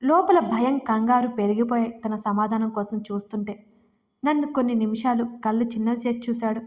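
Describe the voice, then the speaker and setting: A woman's voice: a little high, fairly quick, darkish tone. A woman narrating her own story in the first person, reading expressively and with emotion. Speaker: writer and narrator.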